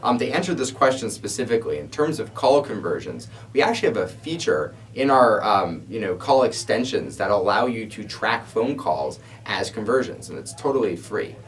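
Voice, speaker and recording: A man's voice: on the low side, animated, normal speed, hardly any pauses. A man co-hosting a question-and-answer show, explaining things in an informal, conversational way. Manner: explanatory, informal, frequent "you know". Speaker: co-host and ad support specialist. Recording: distant mic pickup.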